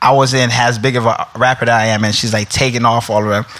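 Over noticeable background noise, a man of medium pitch speaks with an American accent at a moderate pace and fairly even intonation. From Brooklyn, New York. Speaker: podcast guest. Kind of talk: casual chat.

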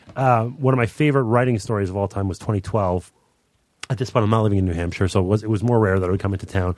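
Talking at a very fast pace, a man with a Montreal accent speaks at a fairly low pitch. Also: ordinary pitch variation. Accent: Canadian English (Montreal). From Montreal, Quebec. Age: 40s. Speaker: sportswriter. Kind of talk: casual chat.

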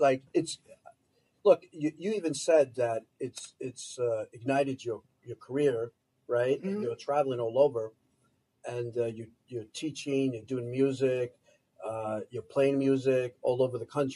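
A man with an American accent speaks at a fairly slow pace in a somewhat breathy, dark, mellow tone, his medium pitch moving with ordinary variation in a dry, close sound with no echo. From New Jersey. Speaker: interviewer. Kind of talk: interview.

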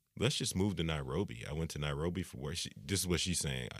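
Vocal fry runs through this man's very deep, low voice. His tone is relaxed, with ordinary pitch variation. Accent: American. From Washington DC area. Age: 40s. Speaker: music journalist and author. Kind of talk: casual interview conversation. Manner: relaxed, casual.

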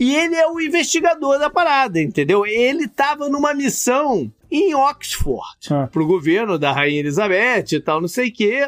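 A man speaks at an extremely high pitch with very wide pitch swings. His pace is moderate, with hardly any pauses. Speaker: podcast co-host. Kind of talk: casual chat.

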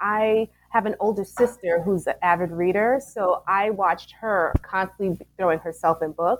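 A normal speaking voice with an American accent. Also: woman. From Brooklyn, New York. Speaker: poet and educator. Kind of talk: interview.

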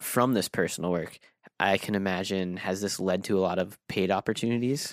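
Here is a man with a normal speaking voice and an American accent, pitched fairly low. He keeps a moderate pace and fairly even intonation. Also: very even loudness, very clean recording, silent background. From Pennsylvania. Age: 30s. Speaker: podcast host, photographer. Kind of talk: casual interview. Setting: studio.

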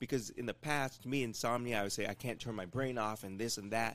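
Here a man with a plain, everyday voice speaks at a fairly quick pace. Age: 60s. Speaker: podcast host. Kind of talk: interview.

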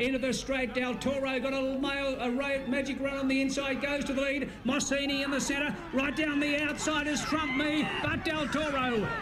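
With an Australian accent and an extremely high pitch, a man speaks with hardly any pauses and very even loudness over noticeable background noise. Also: moderate pace. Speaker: race caller. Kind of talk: race commentary and radio chat. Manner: animated.

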